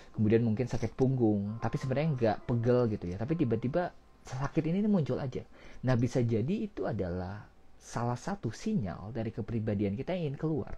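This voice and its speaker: Soft-spoken and lively in intonation, a man talks at a fairly quick pace in a medium pitch while music plays in the background. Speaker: psychologist / therapist. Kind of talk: live therapy session explanation. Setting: Instagram live stream. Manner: hesitant fillers, casual.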